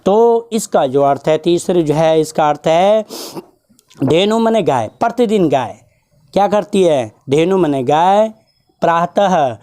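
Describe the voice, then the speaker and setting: A male teacher with a fairly high voice takes his time. He explains each word patiently, repeats himself often, and draws the verses out in a slow chant. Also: expressive, mellow. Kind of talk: Sanskrit lesson explanation.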